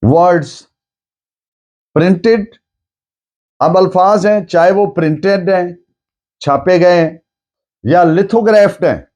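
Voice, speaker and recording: A man with a Pakistani accent lecturing on a legal text, deliberate, restating things in other words as he explains. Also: sits high, a little mellow. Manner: deliberate, explains by repeating and rephrasing. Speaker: law lecturer.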